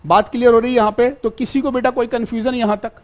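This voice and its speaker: An extremely high-pitched male voice, level in tone and quick in pace, leads a live online exam-prep class. The teacher is fatherly and keeps repeating things, calling students "beta" and checking if they follow along.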